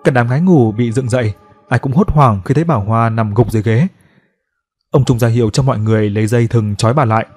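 A man narrating a scripted horror story in a steady, dramatic storytelling manner. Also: medium pitch, breathy edge.

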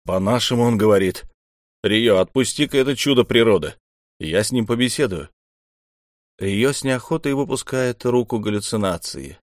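Low-voiced male narrator, dry and close. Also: normal speed, dry recording. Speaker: audiobook narrator. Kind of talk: first-person audiobook narration.

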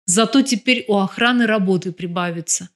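A woman reading the part of a gruff, grumbling male bodyguard in an audiobook, with a lightly lifted voice. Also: mid-range voice, brisk, lightly acted. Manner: grumbling, teasing.

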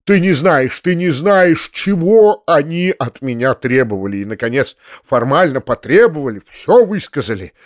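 A man voicing an excitable middle-aged landowner uncle, a former cavalry officer, who swings from heartfelt pleading to shouted orders. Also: a little high, normal speed, hardly any pauses, no echo, clean studio sound, lightly acted. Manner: emotional, bursts into furious shouted orders.

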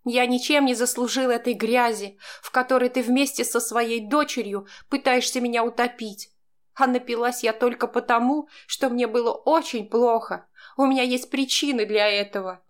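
A woman voicing a defiant, tearful young woman who shouts back in an audiobook. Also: steady tone, normal speed, close to an everyday voice. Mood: indignant. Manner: shrill, shouting through tears. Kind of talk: audiobook character voice.

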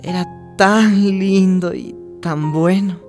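A woman's voice: mid-range voice, fairly even intonation, slow, a little mellow, faint music behind, natural voice. An actress playing a trans woman who narrates her painful childhood in a radio drama, intimate and wistful.

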